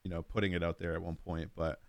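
A man co-hosting a podcast, telling a story in an animated way and laughing often. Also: deep voice, quick pace, no room sound. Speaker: podcast co-host. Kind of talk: casual storytelling.

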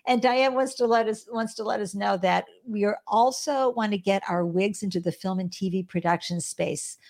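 A woman's voice: mid-range voice, normal speed, gravelly, a little mellow. Encouraging woman host with Boston accent. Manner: encouraging, addresses listeners as folks. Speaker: podcast host. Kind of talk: upbeat interview chat.

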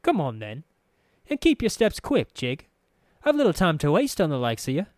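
A man voicing a sharp-tongued, scornful young street girl with a thick brogue and snappish, slangy speech. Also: a little high, wildly swooping pitch, normal speed, no room sound, clean studio sound, voice pushed up. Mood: sneering, impatient.

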